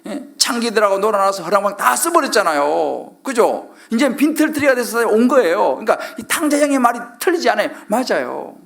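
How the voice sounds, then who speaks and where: A middle-aged male pastor delivers a sermon in a high, gravelly voice. His pitch leaps around as he keeps asking the congregation questions and acts out the words of the people he quotes. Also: big pitch swings, a little fast, hardly any pauses, fairly bright tone.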